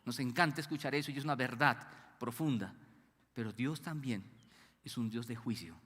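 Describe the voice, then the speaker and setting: Forceful pastor preaching. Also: male voice, medium pitch, moderate pace, big-room sound. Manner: asks the congregation to fill in words. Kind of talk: sermon. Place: church hall.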